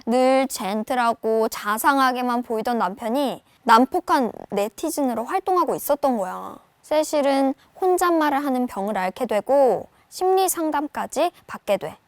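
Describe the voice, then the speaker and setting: A young woman with a high voice reviews a novel for her viewers, chatting with them like friends in playful, lively casual banmal. She's a book reviewer and reading tutor, and the recording has no echo.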